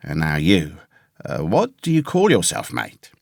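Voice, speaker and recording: A man acts out a storybook castaway, ragged, pious and a little crazed. His voice is deep, hoarse and creaky, swinging up and down as he rambles eagerly in rough sailor's speech. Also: huge pitch swings, a little slow, no room sound, clean studio sound, exaggerated voice. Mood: confiding, rambling. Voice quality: hoarse, awkward.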